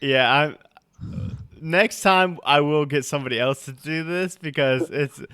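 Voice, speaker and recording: A man's voice: fairly high pitch, a little slow, fairly bright tone, clean tone, no room sound, clean studio sound. A man running a tabletop game as game master, narrating casually and thinking aloud with some hesitation.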